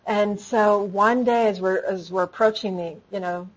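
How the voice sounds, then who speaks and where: A woman speaking to an audience in a conversational talk, answering questions, lively and full of restarts. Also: medium pitch, normal speed, slightly rough, lo-fi sound. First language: English. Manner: animated, frequent restarts. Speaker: speaker training storytellers.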